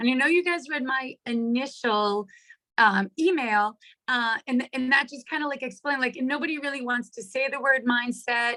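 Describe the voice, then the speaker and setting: A woman's high, raised and projected voice with a bright, sharp tone, ordinary pitch variation and a slight New York accent. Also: moderate pace. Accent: slight New York accent from recent visit. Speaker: lifestyle coach. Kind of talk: workshop talk. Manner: casual, with many fillers.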